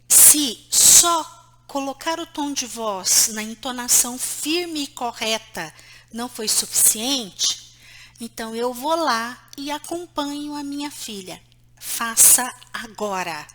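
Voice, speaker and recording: A woman psychologist, giving an online lesson on parenting and explaining calmly while she points to places on a diagram. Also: sits high. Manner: acts out short quoted lines between mother and child.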